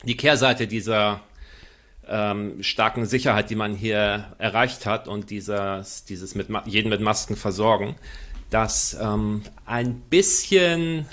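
A man's voice: on the low side, slow, fairly bright tone. A man talking as a podcast guest, explaining at length with frequent fillers and restarts. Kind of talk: casual podcast conversation.

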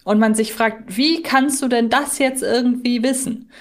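A woman's voice: on the high side, steady tone, moderate pace. A woman co-hosting a podcast in a casual, analytical way, correcting herself as she thinks aloud. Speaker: podcast co-host.

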